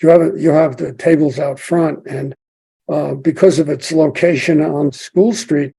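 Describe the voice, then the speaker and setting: An older man hosts the interview in a dark, gravelly voice with a husky edge. He asks halting questions that trail off. His voice sits somewhat high for a man. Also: fairly even intonation. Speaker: podcast host, newspaper founder.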